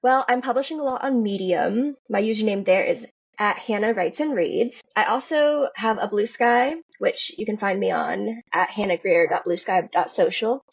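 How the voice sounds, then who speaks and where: A woman speaking as a guest writer, in relaxed conversation or reading her fiction aloud. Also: medium pitch, moderate pace, creaky, husky. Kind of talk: story reading and casual interview talk. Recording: dull lo-fi recording.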